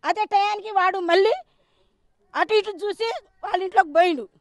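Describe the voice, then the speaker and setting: A woman's voice: extremely high pitch, moderate pace, dry recording. A woman with a Telangana Telugu accent giving an emotional eyewitness account, repeating herself and acting out what others said. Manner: agitated, repetitive storytelling, acts out quoted speech. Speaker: villager recounting an incident.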